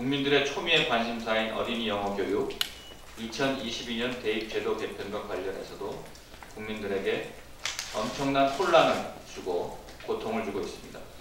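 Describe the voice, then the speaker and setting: Fairly slow speech with audible room echo and noticeable background noise. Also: man. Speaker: politician. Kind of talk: political speech. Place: meeting room.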